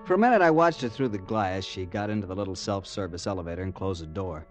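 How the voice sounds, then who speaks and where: Nervy young fiancé telling the story, animated voice, old radio w/ music. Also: male voice, sits low, quick pace. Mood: tense. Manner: narrates tensely, growing panicky. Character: young man, anxious fiancé narrating. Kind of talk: 1940s radio acting.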